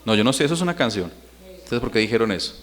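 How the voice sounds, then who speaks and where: A man's voice: mid-range voice, animated, racing, fairly bright tone. A man, preaching a Sunday sermon in church and putting questions to the congregation. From Colombia. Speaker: pastor.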